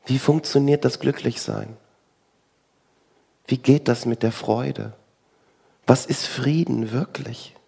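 Gravelly German-speaking preacher, conversational. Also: male voice, mid-range voice, steady tone, slow pace, pauses often, darkish tone. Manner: conversational, rhetorical questions, wry asides. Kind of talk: sermon.

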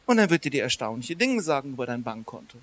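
A man preaching a sermon in a lively, conversational way, swinging between loud emphasis and quiet asides. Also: medium pitch, quick pace, slight background noise.

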